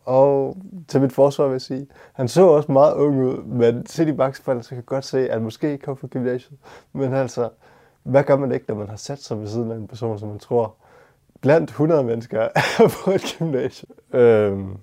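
A young man tells an awkward anecdote at a quick, hesitant clip, with plenty of fillers. His voice is gravelly and full of fry, with a mellow, dark tone. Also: medium pitch. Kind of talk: casual anecdote.

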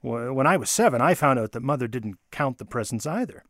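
A man giving a theatrical, expressive dramatic reading of a childhood holiday memoir, with wonder and deliberate pauses. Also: medium pitch, no echo, clean studio sound. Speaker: storyteller. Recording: music under the voice. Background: music.

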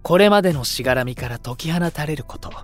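A man playing an unruffled, poetic young younger brother in a voice drama, elegant and gently persuasive. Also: on the high side, expressive, fast, faint music behind, lightly acted. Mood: coaxing. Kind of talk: Japanese voice drama acting.

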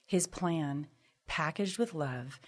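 A Texan woman with a low-pitched voice talks into a studio mic as a podcast guest. She is expressive and emphatic, stacking repeated phrases as she talks about faith. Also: slow. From Texas, USA. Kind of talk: faith-based conversational chat. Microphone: headphones on, studio mic.

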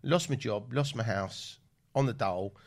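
A man's voice: lowish voice, moderate pace, creaky. A middle-aged man with a southern English accent, chatting casually as an interview guest and telling anecdotes in a blokey, sweary way. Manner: chatty, sweary storyteller, acting out remembered exchanges. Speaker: podcast guest, event promoter and film producer.

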